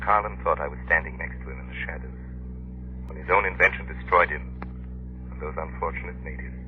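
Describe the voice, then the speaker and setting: Commanding hero in a scratchy old radio play. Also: male voice, extremely low pitch, brisk. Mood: hushed. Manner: calm, commanding, mocking. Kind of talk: 1930s radio drama acting. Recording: dull lo-fi 1930s radio recording with hiss.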